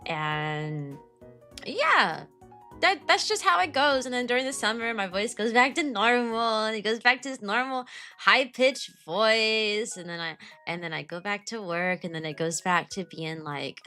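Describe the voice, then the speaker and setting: A young woman streaming and chatting casually with her viewers, her voice raspy and tired from teaching, greeting viewers by name in quick bursts. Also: medium pitch, expressive, pushed and bright, soft background music. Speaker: VTuber streamer.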